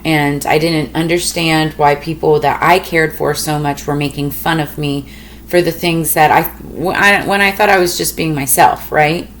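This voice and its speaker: Woman, thirties, tarot vlogger; lowish pitch, chatty and frank, faint hiss behind. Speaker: tarot reader. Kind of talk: casual storytelling to camera.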